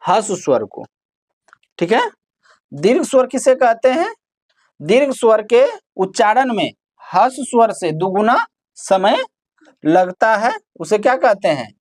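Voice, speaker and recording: Slow-spoken woman teaching grammar. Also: a little high, sing-song, darkish tone, no echo, clean studio sound. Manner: asks questions then answers them herself, repeating key terms. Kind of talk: classroom grammar lesson.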